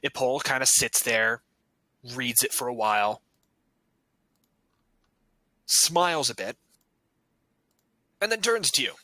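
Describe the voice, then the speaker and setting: Man, game master, casual tabletop narration, swears freely, very bright tone, dry close sound. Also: mid-range voice, big pitch swings, takes it slowly, pauses often, dry recording, rough recording.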